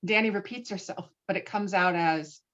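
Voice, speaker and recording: A woman's voice: medium pitch, normal speed, a bit bright, highs cut off. A woman reading stage directions as scripted narration for a virtual table read, recorded over an online call. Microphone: online call microphone.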